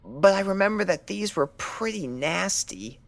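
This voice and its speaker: A woman's voice: medium pitch, expressive, a little slow, gravelly. A woman voicing a timid, frightened young pony, speaking hesitantly with stammers and apologies in an audio story. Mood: dazed, meek. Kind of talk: dramatic audio story acting.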